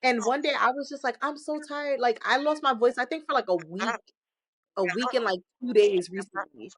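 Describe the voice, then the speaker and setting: Animated woman sharing faith testimony. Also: a little high, moderate pace, no room sound. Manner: animated, preachy, laughing, emphatic exhortations. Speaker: podcast guest. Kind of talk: casual testimony-style faith talk.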